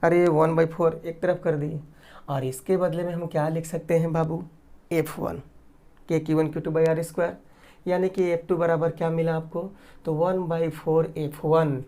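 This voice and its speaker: A man teaching a physics lesson. He keeps asking rhetorical questions and answering them himself, and he drags words out slowly while he writes. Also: a little high, little pitch movement, warm tone. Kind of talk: classroom lecture.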